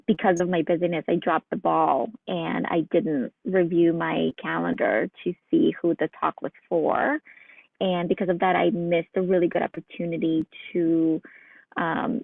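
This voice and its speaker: A psychologist guest from Ukraine answers questions earnestly, pausing on fillers as she reflects. Her voice has a gravelly fry, and it comes through a tinny, phone-like line that sounds dry and close. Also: on the low side, no echo. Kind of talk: casual interview answers.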